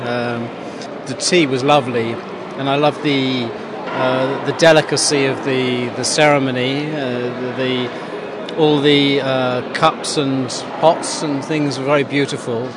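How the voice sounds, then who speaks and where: Male vox pop, halting speech, loud street noise behind. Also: mid-range voice, flat delivery. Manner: hesitant, restarting often. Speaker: festival visitor interviewed.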